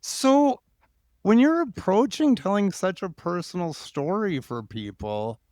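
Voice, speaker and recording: A man's voice: high-pitched, animated, unhurried, a little mellow, dry recording, clean studio sound. An American man hosting a casual interview, talking in a rambling, enthusiastic way with jokey asides. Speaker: podcast host, interviewer.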